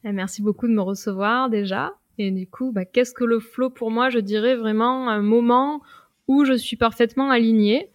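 A woman guest on a podcast interview, speaking with a regional French accent, hesitant and filling pauses often. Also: on the high side, steady tone, dry recording, studio quality. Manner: hesitant, many "euh" and "du coup" fillers. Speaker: guest, watercolor teacher.

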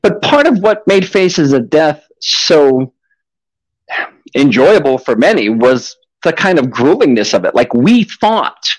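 A man in his late forties hosting a casual podcast, talking in an animated, rambling way and swearing often. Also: fairly high pitch, measured pace, no room sound, poor audio. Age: 40s. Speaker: podcast host.

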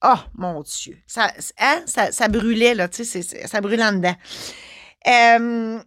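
Lively Québécois woman telling a story. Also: a little high, measured pace, no echo, clean studio sound. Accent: Québécois French. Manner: lively, expressive, many fillers and restarts. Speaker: notary and podcast host. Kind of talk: casual storytelling monologue.

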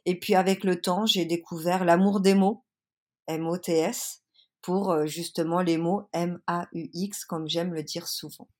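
A woman's voice: on the low side, fairly even intonation, a little slow. A woman from France, speaking earnestly and with many hesitations as an interview guest, slightly under the weather with a cold. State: has a cold. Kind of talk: casual interview.

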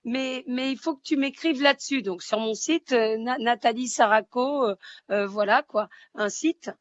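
Woman, fairly high voice, casual radio guest, impassioned, informal, emphatic repeats, dry slightly muffled sound. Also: moderate pace, no echo. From Marseille, southern France. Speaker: radio guest, writer and film-maker. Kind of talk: casual phone-in chat.

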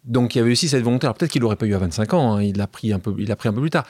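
A man's voice: medium pitch, very fast, darkish tone, no room sound, studio quality. A man hosting a casual interview, asking questions and summing up the guest's points. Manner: conversational, prompts and sums up the guest's points. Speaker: podcast host.

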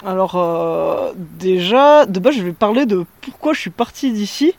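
A woman in her thirties speaks with a Parisian accent in a relaxed interview. She hesitates often, restarts her sentences and fills pauses with fillers. She is recorded outdoors in a garden. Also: mid-range voice. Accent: Parisian French. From France. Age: 30s. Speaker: guest, musher. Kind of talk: casual interview chat. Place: sunny garden in the mountains, outdoors.

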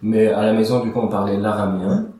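A man's voice: on the low side, steady tone, quick pace, warm tone, heavy reverb, distant mic. A young man from Iraq, whose first language is Aramaic, answering interview questions in a casual, hesitant way with many fillers and restarts. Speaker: interview guest.

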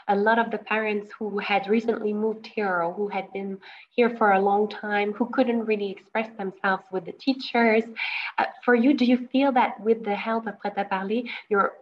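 A woman's voice: mid-range voice, a little hiss or hum. Woman interviewing, muffled sound. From Montreal, Canada. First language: French. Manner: warm, affirming questions. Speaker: language school founder and interviewer. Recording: muffled lo-fi audio.

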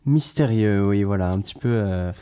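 A man's voice: lowish voice, moderate pace, warm tone, clear, resonant tone. A young man co-hosting a podcast in a loose, teasing chat, often hesitating with fillers before he finds his words. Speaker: podcast co-host. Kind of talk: casual chat.

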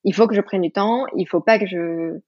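A woman's voice: medium pitch, brisk, no room sound. Mexican woman in her 30s, lots of restarts and little laughs, kinda muffled dry audio. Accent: Mexican Spanish. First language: Spanish. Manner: thoughtful, many restarts and fillers, laughs easily. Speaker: guest, yoga teacher. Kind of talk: podcast interview.

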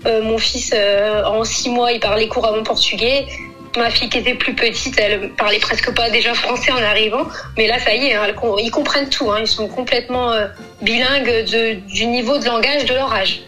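A woman from France answering interview questions about her family, hesitant, with many fillers and pauses. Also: on the high side, steady tone, bright, forceful tone, faint music behind, rough recording. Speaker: guest, expat mother.

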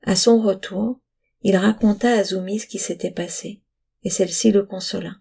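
A woman reading a storybook aloud with calm, even narration. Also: medium pitch, normal speed, gravelly, husky.

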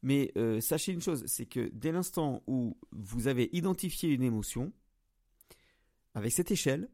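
Gravelly-voiced man hosting a podcast. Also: mid-range voice, lively intonation, normal speed, dark tone, no echo, studio quality. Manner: hesitant, many fillers and restarts; addresses listener directly. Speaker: podcast host. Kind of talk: solo podcast monologue on emotions.

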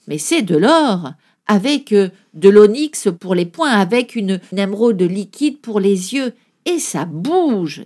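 A woman's voice: mid-range voice, a little mellow. A woman author, a guest on an interview show, telling vivid stories with exclamations. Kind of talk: radio interview storytelling.

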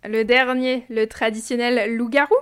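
Playful woman podcast host, kinda high voice, chatting casually to kids. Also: steady tone, moderate pace, fairly bright tone, smooth. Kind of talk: casual scripted chat for children.

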